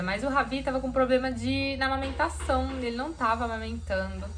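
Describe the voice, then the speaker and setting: Over noticeable background noise and audible room echo, a woman with a Brazilian accent talks at a moderate pace. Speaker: mother sharing personal story. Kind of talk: personal vlog testimony. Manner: casual, conversational.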